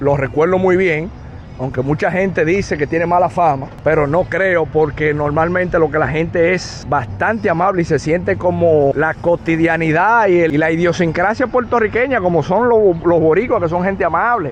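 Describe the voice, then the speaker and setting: Speaking at a moderate pace over noticeable background noise, a man with a high pitch keeps very even loudness and ordinary pitch variation. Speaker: travel vlogger. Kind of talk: travel vlog walking tour. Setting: outdoors walking the street.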